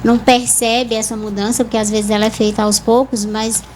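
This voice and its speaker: A woman with a Brazilian accent, a speech therapist calmly explaining voice and articulation in a TV interview. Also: fairly high pitch, a little fast, slight background noise, low-quality recording. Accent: Brazilian Portuguese. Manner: calm, didactic explanations with examples.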